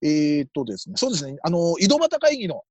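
A man hosting a casual radio talk show, relaxed and laughing often as he reads listener posts. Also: fairly high pitch, fast talker, no echo. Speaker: comedian and radio show host.

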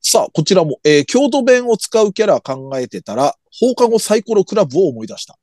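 A man hosting a podcast, reading listener letters in a lively, bouncing voice with jokey asides. His voice is a little high for a man. The sound is dry and close, with no room around it. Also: a little fast, dry recording. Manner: lively, reads messages aloud with jokey asides. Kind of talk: casual chat.

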